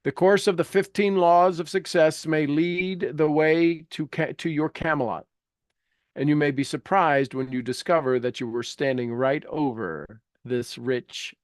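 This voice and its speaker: A man's voice: medium pitch, a little slow, no room sound, studio quality. A man leading a coaching class in an informal, blunt and prodding way, with folksy turns of phrase. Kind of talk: informal coaching talk mixed with reading aloud from a book.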